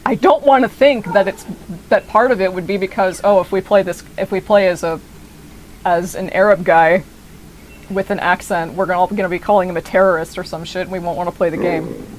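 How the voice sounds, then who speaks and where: A woman's voice: lowish voice, fairly even intonation, a little fast, slight background noise, rough recording. A woman in her twenties from the United States giving casual, rambling gameplay commentary, swearing freely. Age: 20s. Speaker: streamer.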